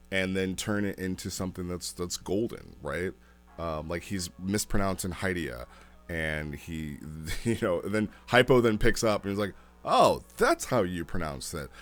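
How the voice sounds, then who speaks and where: A man giving a casual, rambling spoken review as a host, conversational and repeating phrases as he explains things. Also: low-pitched. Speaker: host reviewing role-play logs.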